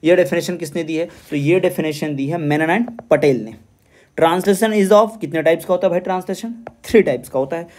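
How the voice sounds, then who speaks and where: Man, exam-prep tutor: slightly high voice, reads English questions slowly, explains quickly, repeats and spells out answers. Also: darkish tone. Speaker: teacher.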